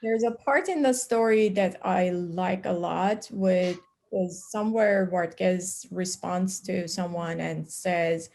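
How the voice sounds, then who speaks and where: Slow-paced woman interviewer, measured. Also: fairly low pitch, fairly even intonation, vocal fry, darkish tone. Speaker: interviewer, academic discussant. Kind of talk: moderated literary conversation.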